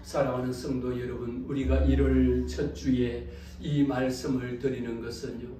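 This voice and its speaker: A man's voice: mid-range voice, flat delivery, normal speed, dark tone. A male pastor delivering a dramatic sermon, telling the story with cries and wails in the characters' voices. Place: church sanctuary. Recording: echoey church hall, far from the mic, faint noise.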